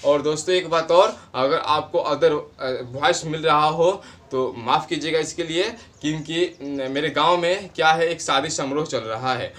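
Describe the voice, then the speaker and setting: High-voiced man teaching a grammar lesson. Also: fairly bright tone. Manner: explains slowly with repeated example phrases. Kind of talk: classroom-style grammar lesson. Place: home in a village, wedding noise nearby.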